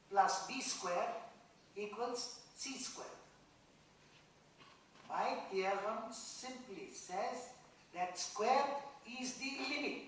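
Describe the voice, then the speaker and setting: A man acting a vain, teasing dead mathematician in a dramatised play reading, lecturing theatrically with pauses. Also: very high voice, fairly bright tone, heavily acted. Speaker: stage actor. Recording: echoey hall, distant mic, faint noise.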